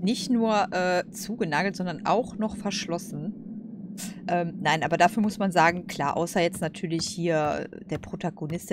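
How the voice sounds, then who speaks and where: A woman with a fairly low voice gives casual gaming commentary. She thinks aloud in a colloquial, hesitant way, with noticeable noise and game ambience behind her. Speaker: let's play host.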